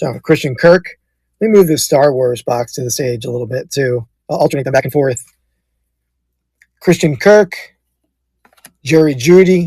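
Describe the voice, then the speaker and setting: A fairly high-pitched man speaks at a moderate pace with ordinary pitch variation. His somewhat breathy delivery has long, frequent pauses. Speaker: card breaker streamer. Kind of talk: live card break stream.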